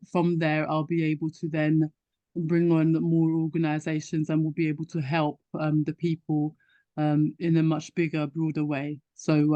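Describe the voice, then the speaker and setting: A woman's voice: low-pitched, mellow, no room sound, lo-fi sound. Hesitant British woman on a video call. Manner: hesitant, many "um"s. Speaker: guest, goodwill ambassador. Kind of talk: casual remarks at an online meeting.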